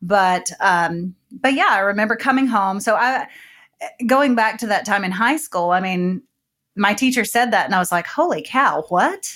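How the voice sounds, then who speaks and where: A woman with an Alabama accent, lively intonation and very even loudness. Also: medium pitch for a woman, moderate pace. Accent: Southern US (Alabama). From US South (rural Northeast Alabama). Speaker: science education professor. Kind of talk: interview conversation.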